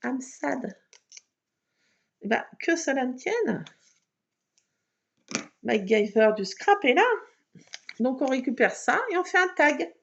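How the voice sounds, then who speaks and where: A woman's voice: sits high, lively intonation, measured pace, creaky, long pauses, highs cut off. A woman chatting playfully and mocking herself while she shows a scrapbooking craft. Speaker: craft video maker. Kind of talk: casual crafting tutorial.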